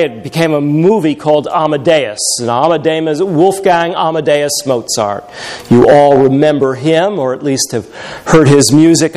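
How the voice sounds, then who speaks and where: A middle-aged male pastor preaching a sermon, telling stories with wry humor. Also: high-pitched. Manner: animated storytelling with wry humor.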